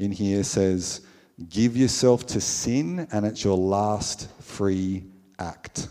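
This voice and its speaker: With an Australian accent, a man speaks at a very slow pace in a dark, mellow tone, his pitch fairly low and his intonation fairly even. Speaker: church teacher leading a Bible workshop. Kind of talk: group Bible study teaching. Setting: room with live group audience.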